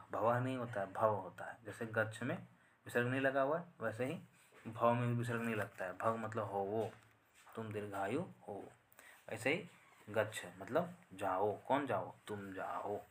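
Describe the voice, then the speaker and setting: A man's voice: fairly low pitch, fairly bright tone, slight background noise. A man teaching Sanskrit grammar in an online lesson, chanting verb forms in a sing-song drill and patiently checking in with the class. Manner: explains patiently, asks "hmm?" often.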